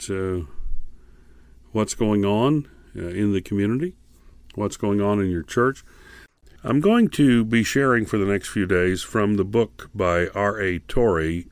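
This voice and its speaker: A man hosting a Christian radio devotional program, speaking in a measured, deliberate way as he announces and teaches, repeating details for listeners. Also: medium pitch, no echo, studio quality. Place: radio studio.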